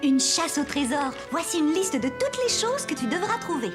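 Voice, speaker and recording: A high, very animated young babysitter from a children's cartoon. She is cheerful and patient, guiding with encouraging questions, over background music. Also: moderate pace. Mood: upbeat, explaining. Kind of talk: French-language children's cartoon acting.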